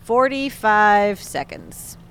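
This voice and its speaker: An actress playing a spry, unflappable older mother in an audio drama, breezy, salty and teasing with a deadpan edge. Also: mid-range voice, slow, vocal fry, noisy background, heavily acted.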